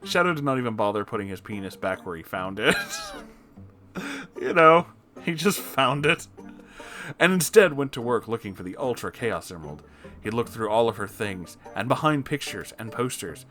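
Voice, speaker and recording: A man's voice: medium pitch, very animated, moderate pace, pushed and bright, soft background music. A man hosting a comedic reading of fan fiction, breaking off into incredulous, amused asides. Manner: breaks into laughter, exclaims in disbelief.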